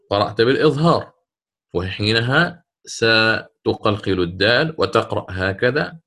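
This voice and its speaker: A man's voice: lowish voice, fairly bright tone. Man teaching Quran recitation rules. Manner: questions his students and explains step by step. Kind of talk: classroom lesson on recitation rules.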